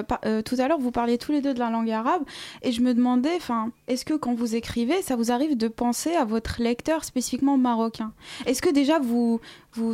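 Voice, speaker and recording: A woman's voice: fairly high pitch, a little mellow, dry recording. A woman hosting a radio interview, asking her guests questions.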